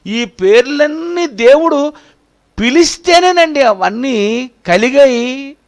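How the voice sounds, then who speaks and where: A man with a strikingly high voice preaches to his congregation. He repeats phrases over and over and keeps asking his listeners direct questions. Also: fairly bright tone. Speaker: pastor. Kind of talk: sermon.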